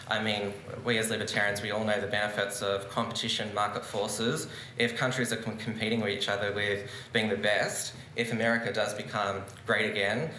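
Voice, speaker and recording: A man's voice: fairly low pitch, bright, forceful tone, slight background noise. A young man giving an earnest, argumentative debate speech from a lectern at a conference. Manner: earnest, argumentative, gesturing while speaking. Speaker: debate speaker. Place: large conference room with seated audience. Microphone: lectern microphone on a stand. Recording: roomy conference hall echo.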